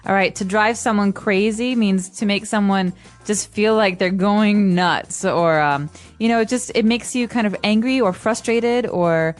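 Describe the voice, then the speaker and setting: A woman's voice: medium pitch, measured pace, faint music behind. A woman co-hosting an English-learning podcast, explaining phrases casually with everyday examples and acted-out sample lines. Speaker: podcast co-host, English teacher. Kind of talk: casual teaching chat.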